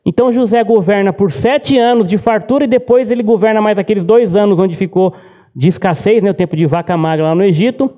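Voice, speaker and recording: A male pastor preaches in a casual storytelling way, with a high-pitched voice. His tone is soft and mellow rather than sharp, and he keeps checking in with the congregation through quick tag questions. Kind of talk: sermon.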